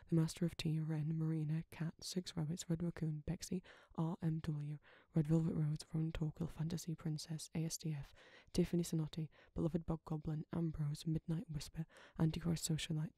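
An ASMR creator softly reading out a list of names in a hushed voice that often slips into a whisper. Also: mid-range voice, husky, dry recording.

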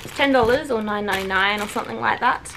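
A woman's voice: medium pitch, quick pace. A woman chatting casually at home as she reviews a product, with children nearby. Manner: chatty and relaxed, with many "like" fillers. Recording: clearly noisy home recording.

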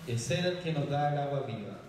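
A man's voice: mid-range voice, animated, a little fast, a little mellow. A man from Chile interpreting a guest preacher phrase by phrase for the audience and adding short asides to them. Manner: repeats each phrase, adds brief asides to the audience. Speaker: interpreter and event host. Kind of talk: live sermon interpreting. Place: large hall with bare walls, indoors. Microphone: handheld mic, heard from a distant camera. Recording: echoey hall from far off.

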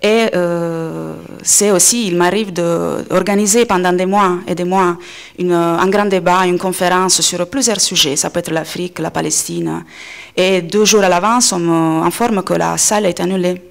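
A woman in her thirties addresses a conference panel in an Italian accent, her native language being Italian. Her voice sits fairly low and has plenty of gravelly fry. She feels her way through phrases, pausing and correcting herself as she goes. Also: steady tone. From Italy. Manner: hesitant phrasing with frequent pauses and self-corrections. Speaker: coordinator of a media organisation, panel speaker. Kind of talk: conference speech, semi-improvised. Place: indoor conference panel table. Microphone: gooseneck table microphone, close.

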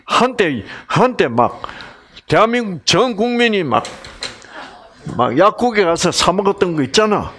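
A man's voice: high voice, big pitch swings, a little slow, fairly bright tone. A middle-aged man giving a health lecture, asking his audience questions and joking with regional sayings.

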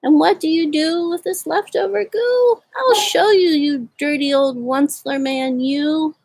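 A woman voicing a fussy, scolding small male forest creature in a storybook reading, with high drawn-out cries. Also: creaky, heavily acted.

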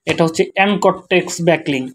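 A tired man with a Bangladeshi accent, speaking quietly and slowly as he walks through a screen-share tutorial. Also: high voice. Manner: quiet, slow, tired-sounding talk. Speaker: web developer teaching SEO.

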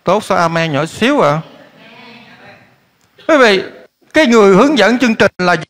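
Man, pastor, high voice, lively questioning sermon. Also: normal speed. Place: church hall. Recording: echoey church hall.

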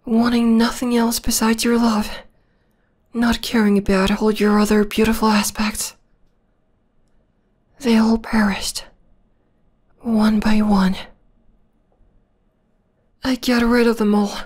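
A woman playing an obsessed, possessive young vampire stalker in an intimate, breathy, half-whispered ASMR roleplay. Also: a little high, a little mellow.

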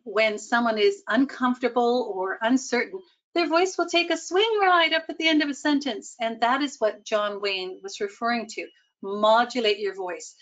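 Presenting to a group on public speaking, a woman with a highish voice keeps things engaging by often putting questions to the audience. The recording is muffled.

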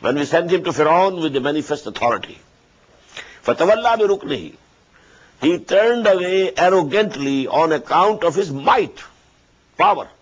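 A man in his seventies with a South Asian accent and a husky, aged voice, explaining scripture verse by verse as an Islamic scholar, phrase by phrase with emphatic pauses. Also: a little high, expressive, rough recording. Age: 70s. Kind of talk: verse-by-verse scripture commentary alternating recitation with translation. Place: indoors at a desk before curtains, recorded lecture.

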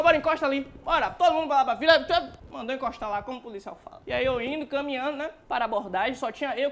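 A man with a Bahian accent telling a comic story, acting out scenes animatedly with sound effects. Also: very high voice. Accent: Bahian Portuguese. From Salvador, Brazil. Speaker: stand-up comedian.

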